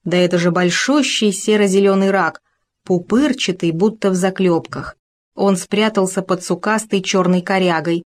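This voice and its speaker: A woman's voice: mid-range voice, moderate pace. Woman reading a storybook aloud. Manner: lively, expressive reading. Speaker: narrator. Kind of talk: storybook narration.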